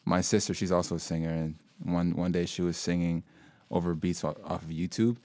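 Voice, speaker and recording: Low-voiced young man, relaxed rambling talk. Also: a little fast, no room sound. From Sudan. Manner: relaxed, rambling, lots of fillers and restarts. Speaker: local hip-hop artist, guest. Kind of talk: casual interview conversation.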